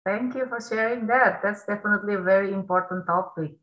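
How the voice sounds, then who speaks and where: A woman's voice: medium pitch, fairly quick, a bit bright, echoey room, low-quality recording. A woman, hosting a webinar for kids and explaining things in a friendly way. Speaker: workshop host. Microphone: video call.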